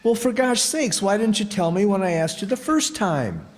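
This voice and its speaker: An actor playing a blustering, easily flustered husband in 1940s radio comedy acting, sputtering with exasperation. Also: male voice, sits high, big pitch swings, normal speed. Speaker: harried husband, new homeowner. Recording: reverberant old radio broadcast with faint noise.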